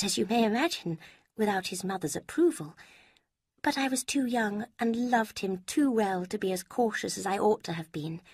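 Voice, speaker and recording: A woman voicing a sly young woman who gushes secrets in a sweet, breathy way, with a husky tone. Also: mid-range voice, a little mellow, dry recording, studio quality, pitched above the performer's own voice.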